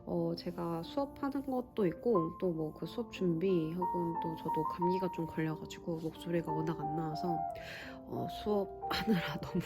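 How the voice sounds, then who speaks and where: A woman who directs a Pilates studio, talking reflectively to fellow instructors in a measured way, pausing and correcting herself as she thinks aloud. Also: fairly low pitch. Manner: thoughtful, measured, with frequent pauses and self-corrections. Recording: music playing clearly under the voice.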